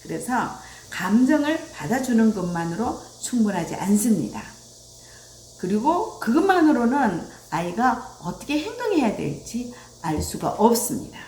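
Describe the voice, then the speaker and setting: Animated woman lecturing in a roomy space. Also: on the high side, normal speed, slight background noise. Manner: animated, acts out quoted dialogue. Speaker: parenting educator. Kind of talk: lecture on child rearing. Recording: roomy echo.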